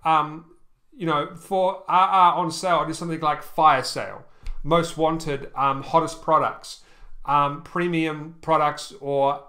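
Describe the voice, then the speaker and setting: A man reviewing an online store over a screen share, casual and halting, with many ums and restarts, often checking in with "okay?". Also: on the high side, sharp tone.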